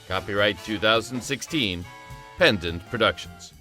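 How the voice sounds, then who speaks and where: A man's voice: on the low side, animated, a little slow, bright, forceful tone. A man reading scripted credits as the announcer of an audio drama, with guitar music behind him.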